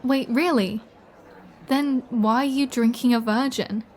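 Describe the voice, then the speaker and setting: Woman acting a slow, flirty female vampire. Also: fairly high pitch, fairly even intonation, a little mellow, natural voice. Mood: teasing flirty. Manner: teasing, chatty, unhurried. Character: flirty playful female vampire, teasing and self-assured. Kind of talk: intimate roleplay audio acting, ASMR.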